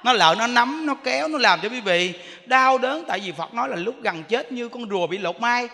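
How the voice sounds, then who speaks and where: High-pitched monk preaching. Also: male voice, brisk, creaky. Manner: animated, repetitive, addresses listeners directly. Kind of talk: Buddhist sermon. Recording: long reverb of a hall.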